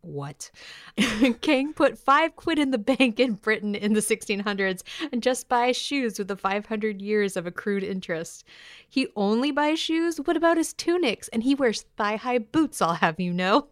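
A woman co-hosting a podcast, chatting casually and reading listener mail in a playful, expressive way. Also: on the high side, measured pace, dry recording, clean studio sound. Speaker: podcast co-host.

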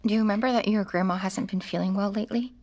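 An actress playing a weary mother who works at a hospital and narrates her story in a halting, strained way. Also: mid-range voice, fairly even intonation, a little mellow, lightly acted. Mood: gentle. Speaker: narrator and lead character. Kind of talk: audio drama acting with narration.

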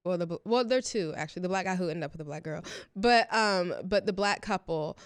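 A woman's voice: fairly low pitch, brisk, clear, resonant tone, no room sound. Chatty woman, close dry sound. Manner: animated storyteller, often quotes people in dialogue. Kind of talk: casual chat.

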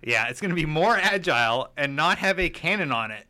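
A man with a bright voice and very lively intonation co-hosts a casual podcast. He chats informally about games and films at a medium pitch. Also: fairly quick. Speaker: podcast co-host.

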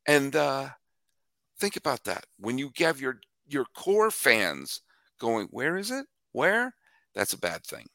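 A man hosting a baseball podcast in casual chat, animated and repeating himself as he thinks. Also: mid-range voice, takes it slowly, creaky, no room sound, clean studio sound. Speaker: podcast host.

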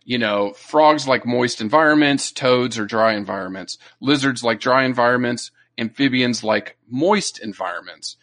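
Guy cohosting a nature podcast, middle pitch, chatty explainer, lots of you know and right. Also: normal speed, hardly any pauses, a bit bright. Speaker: podcast co-host. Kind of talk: casual educational chat.

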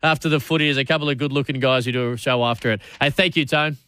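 Bright-voiced Australian sports radio host. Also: male voice, medium pitch, steady tone, fast talker, smooth, no room sound. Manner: matey, chatty, repeats phrase starts. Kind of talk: casual talkback commentary. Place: radio studio.

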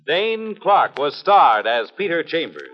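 A man announcing closing credits in formal 1950s radio style, his pitch rising and falling a lot. The sound is a dull old transcription with faint music under him. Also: very animated, takes it slowly.

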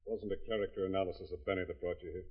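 A sly, smooth-talking nightclub owner, deep and low, mocking and evasive. It is an old radio drama with a dull, lo-fi sound. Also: male voice, level tone, rapid-fire.

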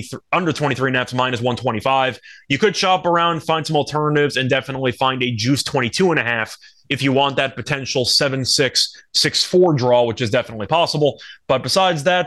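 A man's voice: medium pitch, a bit bright. A man speaking as a podcast host, giving conversational, analytical sports betting commentary.

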